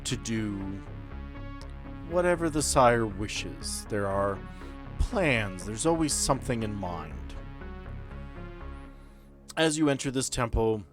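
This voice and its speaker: A man acting as game master, narrating a tabletop role-playing game in a deliberate, descriptive way with pauses mid-sentence. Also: lowish voice, lively intonation. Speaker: game master and host of an actual-play podcast. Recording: background music under the voice.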